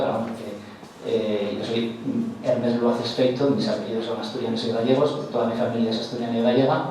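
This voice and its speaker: A man's voice: medium pitch, a little mellow, slight background noise. A man, a composer, giving a public talk at a festival presentation, with a hesitant delivery full of fillers and restarts. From Spain. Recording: echoey hall, voice from far off.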